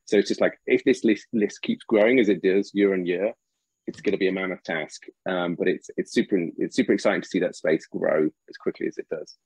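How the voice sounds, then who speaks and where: Low husky man moderating a webinar. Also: brisk, no room sound, poor audio. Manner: relaxed, conversational, walks through slides. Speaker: panel moderator. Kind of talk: webinar panel discussion. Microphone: video call.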